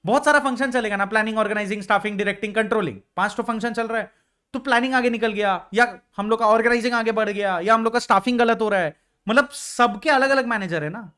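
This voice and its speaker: A man's voice: sits high, fast, sharp tone, clean tone. A young man teaching an exam revision lecture in a casual explaining way, asking his students questions. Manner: casual explaining, mixing Hindi and English, asks students questions.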